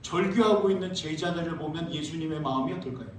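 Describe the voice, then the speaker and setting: Male pastor, lively sermon, high voice, very echoey church, distant mic. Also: heavy background noise. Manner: lively, asks the congregation questions and answers them himself; reads scripture slowly. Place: church sanctuary.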